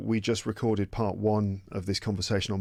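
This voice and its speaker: Speaking at a fairly quick pace with a British accent, a man is heard on a very clean recording over a silent background. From Britain. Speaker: English teacher and podcaster. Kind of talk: casual interview chat.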